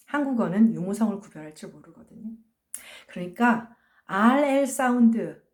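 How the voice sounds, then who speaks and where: A woman teaching a phonology lecture. She explains patiently, asks questions and answers them herself, and says sounds slowly to show them. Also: mid-range voice, dark tone. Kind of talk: recorded online lecture.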